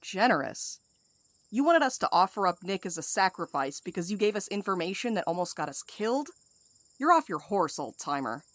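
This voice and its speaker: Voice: mid-range voice, sing-song, a little fast, fairly bright tone, no echo. A performer playing a blunt, wry and loyal tough companion in an audio drama. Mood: indignant.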